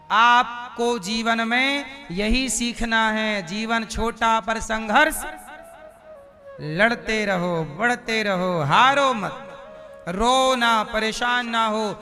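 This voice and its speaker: A male preacher giving a devotional sermon with call-and-response to his audience. He tells the story in a lively way and sometimes breaks into chant and song. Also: very high voice, very slow. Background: devotional instrumental music.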